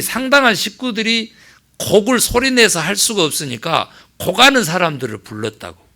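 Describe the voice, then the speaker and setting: A middle-aged male pastor preaches with a gravelly, bright voice, telling a Bible story and voicing its characters. His delivery jumps between loud, animated exclamations and quiet, hushed asides, with a lively melodic swing. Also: high voice. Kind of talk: sermon.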